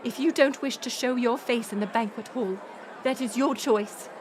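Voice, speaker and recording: Woman playing a high-voiced, controlling middle-aged queen mother. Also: background noise, close to an everyday voice. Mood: commanding, defensive. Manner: commanding, formal, measured. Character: proud, controlling queen mother, weary but regal. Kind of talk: dramatic audio roleplay acting. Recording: music and crowd murmur behind. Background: music and banquet crowd.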